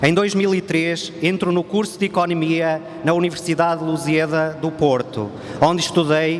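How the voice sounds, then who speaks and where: Amid noticeable background noise, a man talks at a fairly slow pace with a fairly high pitch. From northern Portugal (Lamego / Douro area). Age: 30s. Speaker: retreat participant giving testimony. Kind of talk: testimony. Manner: reading from prepared text.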